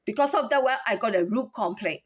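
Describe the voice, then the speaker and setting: A woman from Myanmar talks to camera in a rambling monologue. Her voice sits high, and she keeps firing rhetorical questions and restarting her sentences. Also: expressive, fast. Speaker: vlogger.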